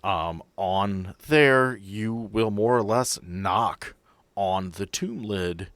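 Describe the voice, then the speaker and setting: A man's voice: lowish voice, very slow, fairly bright tone, no echo. A man acting as game master, describing and explaining a tabletop game scene in an improvised way.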